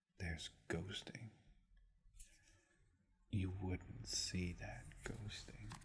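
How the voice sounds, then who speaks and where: A man whispers, soft-spoken, at a very slow pace. Vocal fry runs through his voice. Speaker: ASMR content creator. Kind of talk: ASMR show and tell. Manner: soft-spoken, whispered.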